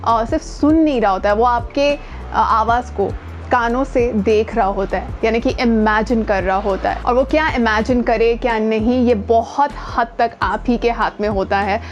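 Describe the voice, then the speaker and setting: Woman, Indian accent, fairly high voice, emphatic informal teaching, code-mixed English, faint background music. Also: normal speed. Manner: conversational, emphatic, code-mixing with English words. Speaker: voice coach and video host. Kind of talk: informal instructional talk to camera. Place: outdoors near the speaker's home.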